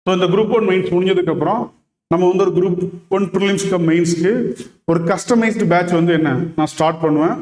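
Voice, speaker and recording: High-voiced Tamil teacher in echoey room. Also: male voice, a little mellow. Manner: explains in Tamil, mixing in English, reads model answers slowly. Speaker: exam coaching teacher. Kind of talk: exam-prep lesson.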